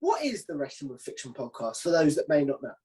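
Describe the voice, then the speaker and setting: A man's voice: fairly high pitch, huge pitch swings, fast, dark tone. A man hosting an interview in a casual, chatty style. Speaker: host interviewing a podcaster.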